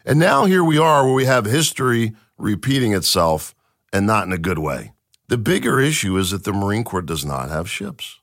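Male podcast host, animated delivery, dry close-miked sound. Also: fairly low pitch, moderate pace, no room sound. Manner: emphatic, enthusiastic, with restarts. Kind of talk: solo commentary reading an article.

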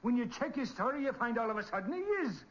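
An actor playing a baffled, blustery American police lieutenant with colloquial, exasperated speech in a 1940s radio crime drama. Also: male voice, extremely high pitch, fast talker, a bit bright. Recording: muffled old 1940s radio recording.

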